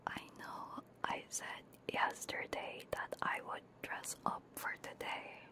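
A woman livestreamer chatting casually and playfully, often dropping into a whisper, with a giggly, doting way of talking as if to pets. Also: slow. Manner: giggly, doting and playful, cooing to pet dogs. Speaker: livestreamer, ASMR VTuber. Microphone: binaural 3Dio ASMR microphone. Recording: faint background noise, live stream.

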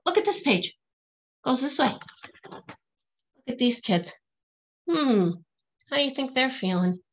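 A woman's voice: on the high side, fairly bright tone. A middle-aged woman reading a picture book aloud to children in a singsong, teacherly way, stressing the rhymes and asking questions.

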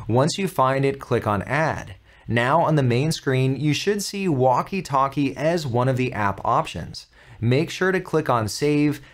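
A man in his thirties with an American accent hosts a step-by-step software tutorial. His slightly high voice is upbeat, clearly articulated, and instructional.

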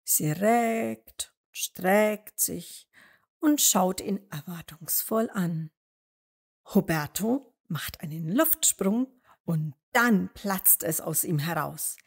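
A woman narrating a story for small children as an expressive storyteller. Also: on the low side, drawn-out words, vocal fry, husky.

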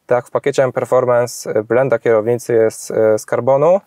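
A man talks through an unscripted review of his own car. His voice is clean and smooth, with little melodic movement and a dry, close sound. He pauses often and corrects himself as he goes. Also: medium pitch, steady tone, dark tone, no room sound. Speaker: car owner giving a review.

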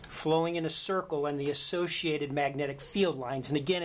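A middle-aged man narrating an instructional demonstration as a lecturer, in a measured, explanatory way. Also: on the high side. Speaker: physics lecturer. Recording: faint background noise.

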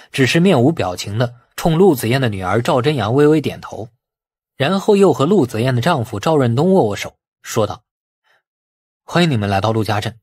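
A male audiobook narrator reads a scripted story in a husky voice. His pitch moves around in a lively way, and the recording is dry and close. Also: dry recording.

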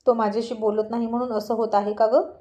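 A woman's voice: a little high, flat delivery, fast talker, mellow, lightly acted. A woman voicing a dreamy, lovestruck young woman, bewildered and shy.

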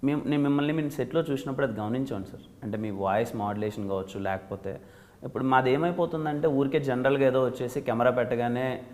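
A man's voice: mid-range voice, quick pace, darkish tone. A young man, an actor in an interview, answering respectfully and often agreeing with "sir". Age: young adult. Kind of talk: casual interview chat. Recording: room with long reverb.

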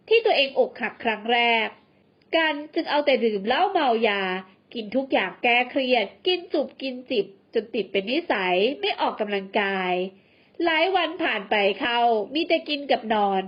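A woman narrating a bedtime story in a lively, dramatic reading. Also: high voice, muffled recording.

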